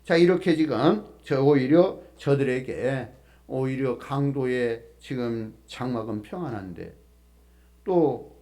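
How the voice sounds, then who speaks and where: A middle-aged male pastor giving a sermon, explaining the text patiently with many pauses and fillers. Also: medium pitch, expressive, warm tone.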